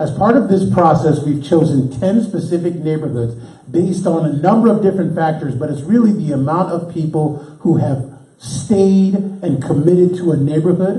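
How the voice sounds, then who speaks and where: Noticeable background noise and audible room echo surround a man speaking. His pitch is high, with ordinary variation. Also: moderate pace. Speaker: city planning director. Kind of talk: public presentation. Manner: loud.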